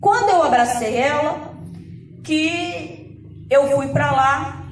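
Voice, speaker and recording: A woman pastor with a very high voice tells a story from the pulpit in an animated, conversational way and acts out the dialogue. She sounds distant from the microphone. The church hall gives her voice a strong echo. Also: slow pace, slight background noise. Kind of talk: conversational sermon testimony.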